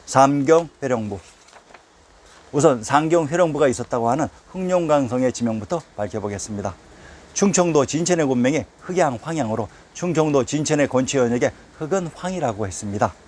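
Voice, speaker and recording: Man, scripted history narration, even middle voice, names read as headings. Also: medium pitch, fairly quick. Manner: steady reading, announces each place name as a heading.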